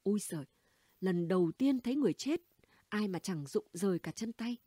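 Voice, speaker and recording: A woman's voice: mid-range voice, animated, moderate pace, warm tone, breathy edge, no room sound, clean studio sound. A woman reading the dialogue of a gossipy, blunt middle-aged neighbor woman in an audiobook, chatty and conspiratorial. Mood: gossiping.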